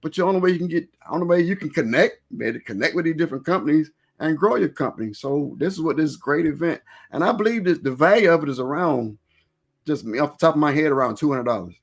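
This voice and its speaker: A man's voice: on the high side, expressive, fast talker. A man hosting a live stream, chatting informally and rambling a little as he repeats and reworks his phrases. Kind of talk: casual interview chat with event plugs.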